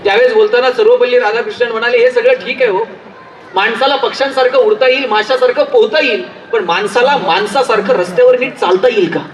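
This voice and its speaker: A man's voice: very high-pitched, fairly even intonation, quick pace, highs cut off, a little hiss or hum. A man with a Marathi accent giving a public speech to a live audience, telling humorous anecdotes in an emphatic storytelling manner. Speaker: motivational speaker. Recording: roomy hall, distant mic, faint crowd.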